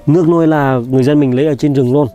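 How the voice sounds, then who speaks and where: Chatty young man with a slightly high voice. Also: steady tone, racing, warm tone, muffled recording, soft background music. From Vietnam. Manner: chatty, caring, talks to viewers directly. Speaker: vlogger visiting a village. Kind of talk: casual vlog chat.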